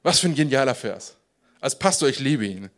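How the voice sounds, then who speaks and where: A man preaching a casual, animated sermon as pastor, acting out voices and dropping to quiet, intense prayer tones. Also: mid-range voice, moderate pace.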